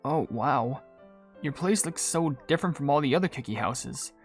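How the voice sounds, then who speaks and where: Game hero: helpful, easily awed cookie voiced by a man, chirpy and casual, very animated pitch, light music bed. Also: normal speed. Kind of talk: video game cutscene character voice.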